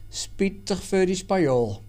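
A man doing a loud, eager old trader. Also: sits high, expressive, takes it slowly, voice pushed up. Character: adult man, worldly former colonial trader.

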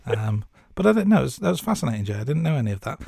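Podcast co-host guy, mellow and gravelly, reads script and chats, dry sound. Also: mid-range voice, very animated, quick pace, no echo. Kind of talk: podcast presenting, part scripted narration, part casual chat.

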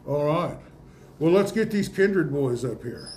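A man hosting a casual awards interview in a folksy, rambling, halting way. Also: a little high, lively intonation, darkish tone, slight background noise. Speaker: radio host interviewing high school athletes. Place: indoor room with guests present.

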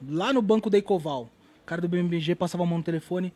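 A man, an artist guest telling stories in an animated, slangy way and swearing freely. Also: high-pitched, rapid-fire. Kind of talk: casual storytelling interview.

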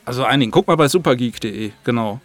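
A man's voice: mid-range voice, expressive, quick pace, faint music behind. A man chatting casually as an interview guest, informal, slangy and a bit rambling. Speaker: interview guest, audio drama maker. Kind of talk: casual chat.

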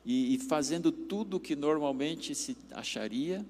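A man's voice: on the high side, animated, unhurried, a little mellow. A man from southern Brazil with a German accent in his Portuguese, preaching conversationally as a pastor. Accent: German-influenced Brazilian Portuguese. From Curitiba, southern Brazil. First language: German as first language of literacy. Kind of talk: conversational sermon with anecdotes. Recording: reverberant hall sound.

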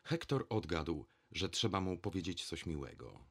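A man reading a novel aloud as an audiobook narrator, in a measured, deliberate way. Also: low voice, very animated, a bit bright, slightly rough. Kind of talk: scripted narration.

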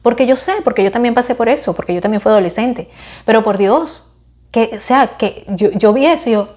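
A woman in her forties with a Venezuelan accent, talking casually to her viewers and giving opinions, chatty and expressive with frequent restarts. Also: on the high side, brisk. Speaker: vlogger recommending series and films.

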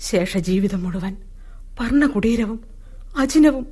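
A woman's voice: medium pitch, lively intonation, slow pace, dark tone, slightly rough. A woman with a Malayali accent, playing Kunti, a stern and proud royal queen mother, in a solemn, declamatory radio play delivery. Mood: indignant. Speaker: radio drama actor. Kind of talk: 1970s-style radio drama acting.

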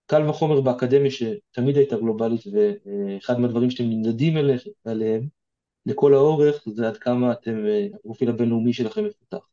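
A man's voice: mid-range voice, warm tone, dull audio. A man with an Israeli accent giving informal, direct advice as an interview guest, explaining things conversationally.

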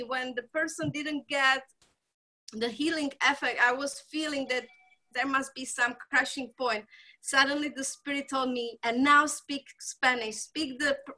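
Woman, native Czech, middle-aged, high voice, effusive, halting English. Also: poor audio. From Czech Republic. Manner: warm, effusive, frequent laughter, halting non-native English. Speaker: healer and shaman guest. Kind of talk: conversational interview.

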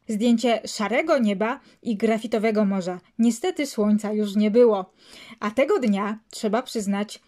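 A woman with a mellow, mid-range voice reads a literary passage aloud. Afterward she reflects on it hesitantly, using a lot of fillers.

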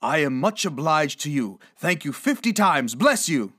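A man voicing an overjoyed old gentleman in a storybook, exclamatory, effusive and eagerly polite. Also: fairly high pitch, very animated, unhurried, slightly rough, voice pushed up, exaggerated voice. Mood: earnest, effusive. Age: older. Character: overjoyed, reformed old gentleman, giddy and generous.

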